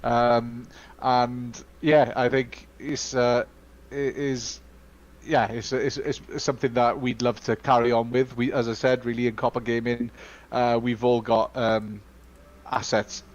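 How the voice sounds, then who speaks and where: A Welsh-speaking man co-hosting a casual live-stream Q&A, talking in a chatty, halting way full of fillers and restarts. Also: mid-range voice, level tone, highs cut off. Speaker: studio co-host.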